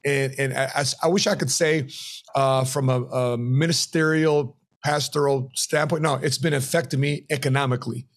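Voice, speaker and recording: A middle-aged man, a retirement planner, tells his story as an interview guest, animated and acting out quoted voices, in a home office on a podcast mic. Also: mid-range voice, moderate pace. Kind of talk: interview conversation. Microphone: podcast mic on boom arm.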